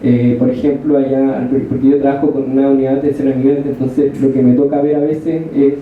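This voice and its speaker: A man's voice: mid-range voice, flat delivery, brisk, slight background noise. A man from northern Chile with a Chilean accent, commenting hesitantly from the audience at a panel, with many fillers and restarts. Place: large lecture hall. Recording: distant, echoey hall, thin phone-like sound.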